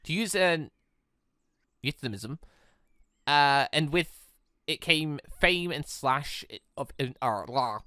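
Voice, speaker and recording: Gaming host, bright lively voice, casual read-aloud commentary, self-correcting, dry close sound. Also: mid-range voice, slow pace, pauses often, dry recording. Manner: stumbles and corrects misreadings, interjects reactions.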